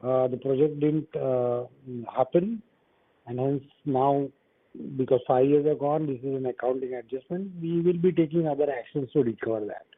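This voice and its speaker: A man answering haltingly as a company executive on an earnings call, repeating words. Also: mid-range voice, no echo. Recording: narrow, dry phone line.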